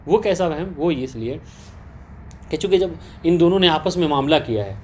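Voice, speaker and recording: A man's voice: on the high side, lively intonation, slight background noise. A man teaching a class on religious law, explaining a text and often checking with rhetorical questions that the students follow. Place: teaching session with students present.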